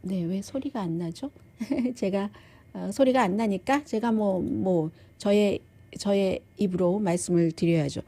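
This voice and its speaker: A woman's voice: mid-range voice, a little slow, mellow. A woman hosting live news commentary, explaining things in a conversational way with restatements and quoted asides.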